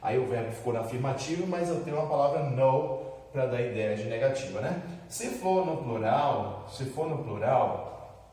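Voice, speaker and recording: A man's voice: mid-range voice, expressive, normal speed, warm tone. A Brazilian man teaching an English lesson to students at a board, patiently explaining step by step and often checking that they follow. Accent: Brazilian Portuguese. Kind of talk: classroom lesson. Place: classroom with a board. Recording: echoey room, voice from far off.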